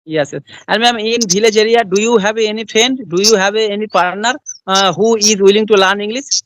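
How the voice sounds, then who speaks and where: A man's voice: high-pitched, steady tone, brisk, fairly bright tone, no room sound. Polite man asking questions. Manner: polite, frequent "yes, yes" acknowledgements. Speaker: interviewer. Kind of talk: English practice interview.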